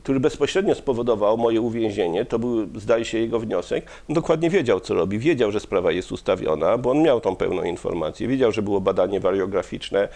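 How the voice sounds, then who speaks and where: A man in his fifties, a guest in a studio interview, talking haltingly with many pauses and restarts, speaking into a lapel mic. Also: on the low side, expressive, creaky, a little mellow. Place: small studio with curtain backdrop.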